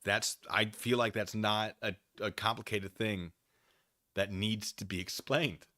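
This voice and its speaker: Bright-voiced, lower-pitched man streaming casually. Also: fairly even intonation, unhurried, dry recording, clean studio sound. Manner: wry, rambling, acts out imagined exchanges. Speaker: livestream host reading and answering chat. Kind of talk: casual chat with livestream viewers.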